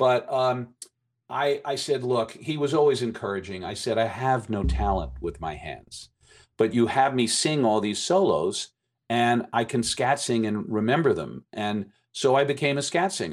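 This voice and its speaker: On a very clean recording with a silent background, a man with a medium pitch talks at a moderate pace, his intonation lively and his voice showing vocal fry. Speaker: sales author and former comedian. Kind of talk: interview. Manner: animated.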